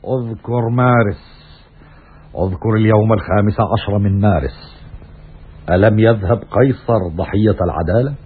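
قائد روماني صارم بصوت أجش. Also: male voice, fairly low pitch. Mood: stern reproach. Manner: declamatory, scornfully angry. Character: stern, righteous Roman commander, scornful and unbending. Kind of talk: classical Arabic radio theatre acting. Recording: muffled, raspy, phone-like old radio recording.

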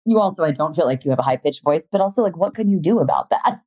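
A woman hosts a podcast interview in a relaxed, agreeable way. Her pitch sits a little low, and she tends to wind into long questions. The recording is close and dry. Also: fast talker, no echo. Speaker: podcast host. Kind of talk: casual interview chat.

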